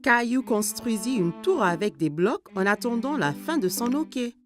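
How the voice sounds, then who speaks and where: A woman narrating a children's cartoon story in an expressive, scripted storytelling style. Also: a little high, normal speed, music in the background, lightly acted.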